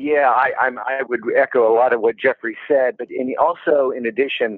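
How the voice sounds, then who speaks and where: A man with an American accent talks at a fairly slow pace, his medium pitch showing ordinary variation in an unremarkable speaking voice. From Florida, US. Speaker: entrepreneur. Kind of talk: interview.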